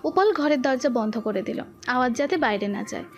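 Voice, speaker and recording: A woman narrating a romantic audio story with steady, expressive storytelling. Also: high voice, a little fast, highs cut off, soft background music.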